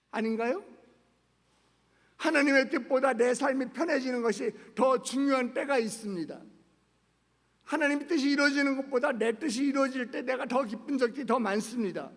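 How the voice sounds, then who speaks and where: A male pastor preaching a sermon with passion, asking his congregation questions and swinging from loud to hushed. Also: very high-pitched, slightly rough. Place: church sanctuary. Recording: long reverb of a large church hall.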